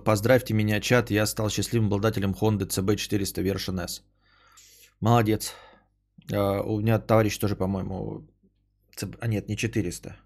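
Man, podcast host, husky voice, mellow tone, rambling, swears a lot, gets worked up. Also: lowish voice. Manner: rambling, profane, worked-up ranting. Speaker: podcast host talking to his chat. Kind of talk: casual livestream chat.

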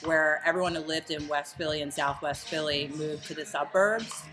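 A woman's voice: sits low, steady tone, moderate pace, music in the background. A woman with a Delco accent from the Philadelphia suburbs, chatting casually and irreverently as a podcast host. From Delaware County, Pennsylvania. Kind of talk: casual chat.

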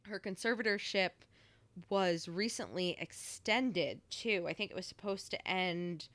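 A woman's voice: on the low side, unhurried, a bit bright, dry recording. A young woman co-hosting a podcast in casual chat, talking loosely with many fillers. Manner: chatty, many fillers like "like" and "you know". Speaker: podcast co-host.

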